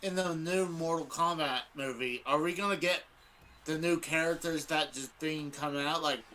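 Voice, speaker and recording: Guy guest on a podcast, bright voice, bit high, background noise on his mic. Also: normal speed. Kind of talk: casual chat. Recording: clearly noisy mic with ambience.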